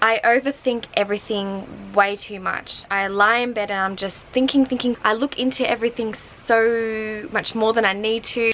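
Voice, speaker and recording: Noticeable background noise surrounds a woman speaking with an Australian accent and ordinary pitch variation. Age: 20s. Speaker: vlogger. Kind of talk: casual vlog monologue. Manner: fast when excited.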